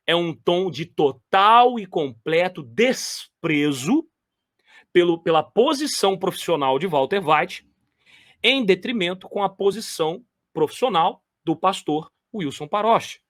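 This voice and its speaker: Emphatic, high-voiced man commenting on clips. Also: lively intonation, a little slow, a bit bright, no room sound, studio quality. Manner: emphatic, repeats phrases, talks straight to viewers. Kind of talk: commentary on replayed lecture clips.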